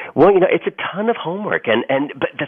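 Noticeable background noise accompanies a man speaking at a medium pitch with very wide pitch swings. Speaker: education company executive and author. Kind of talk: radio interview. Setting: radio studio or phone line. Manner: energetic.

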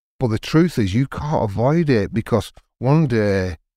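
A man in a Lancashire accent speaks with lively intonation in a dry, close sound with no echo. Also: very clean recording, silent background. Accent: northern English (Lancashire). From northern England, Burnley, East Lancashire. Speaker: pastor. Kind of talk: testimony.

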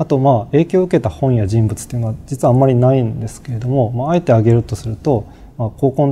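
Against noticeable background noise, a man speaks at medium pitch with ordinary pitch variation. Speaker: physics professor. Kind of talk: interview. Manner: hesitant, frequent fillers.

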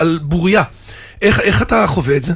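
With noticeable background noise behind him, a man speaks at a high pitch. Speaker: podcast host. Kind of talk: interview. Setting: studio.

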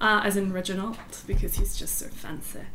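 A woman speaks at a medium pitch with fairly even intonation. Noticeable background noise runs under her voice. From Chinese heritage. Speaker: podcast co-host.

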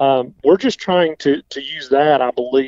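Speaking in an Appalachian accent, a man uses a fairly high pitch, ordinary pitch variation and a moderate pace. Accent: Appalachian Southern US. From western North Carolina. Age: 50s. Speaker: political candidate. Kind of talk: interview.

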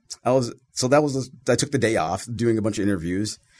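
A man with an American accent has a plain, everyday voice, medium in pitch with ordinary pitch variation. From Minnesota. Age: 40s. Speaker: solar power salesman. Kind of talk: casual interview.

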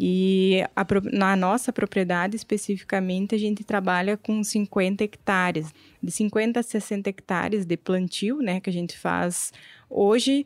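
With an unremarkable speaking voice, a woman speaks at medium pitch and a fairly slow pace with fairly even intonation, recorded very cleanly against a silent background with a dry, close sound and no echo. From southern Brazil, rural Rio Grande do Sul. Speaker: agronomist, seed researcher. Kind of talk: interview conversation.

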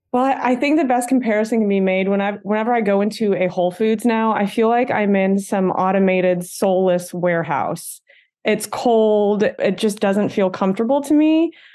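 A woman with an American accent, dark and mellow, medium-pitched, with ordinary pitch variation, very even loudness, a moderate pace, hardly any pauses and a quiet background. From Central California. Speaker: social media food reviewer. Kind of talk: casual interview.

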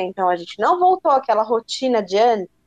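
This woman has an unremarkable speaking voice with a fairly high pitch. The sound is dry and close, with no echo. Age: 30s. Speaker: graphic designer and mother. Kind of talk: interview. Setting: remote call.

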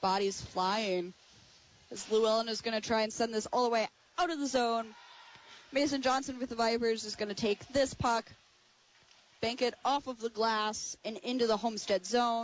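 Here a woman speaks with an American accent and a fairly high pitch. Her pace is moderate and her intonation fairly even, with long, frequent pauses. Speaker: play-by-play announcer. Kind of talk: live radio hockey play-by-play with stats recaps. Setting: ice rink broadcast booth. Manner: brisk, breathless running commentary that rattles off player names; occasionally stumbling, self-correcting mid-call.

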